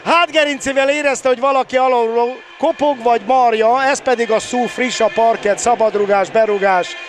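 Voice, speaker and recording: An older man doing excited sports commentary, often shouting and repeating words. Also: very high-pitched. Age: older, around 70. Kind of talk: excited Hungarian futsal commentary. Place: balcony of a large indoor sports hall. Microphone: headset. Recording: background noise of a sports hall.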